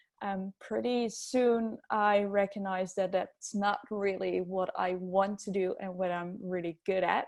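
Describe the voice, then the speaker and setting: With a Dutch accent, a woman speaks at a fairly high pitch and a fairly slow pace. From Netherlands. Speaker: agile coach. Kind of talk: webinar presentation.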